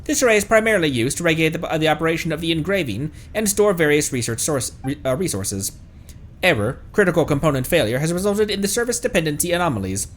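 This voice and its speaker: A man voicing a malfunctioning ancient machine system in a game, reading formal, measured announcements. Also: fairly high pitch, big pitch swings. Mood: formal, apologetic.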